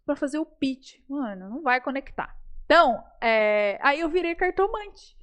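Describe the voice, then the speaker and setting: A Brazilian woman speaking as a guest in a casual podcast interview, animated and playful, often addressing the audience directly. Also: high-pitched, normal speed. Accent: Brazilian Portuguese.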